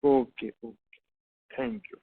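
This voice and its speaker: A man's voice: medium pitch, big pitch swings, normal speed, gravelly, slightly rough, no room sound. An Indian man asking questions as a caller, in a hesitant, repetitive way. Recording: dry, narrow phone line.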